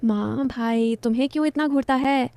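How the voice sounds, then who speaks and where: A woman's voice: sits high, normal speed, vocal fry, darkish tone, clear, resonant tone, no room sound. A woman voicing an innocent young schoolgirl daughter who speaks in an earnest, questioning way.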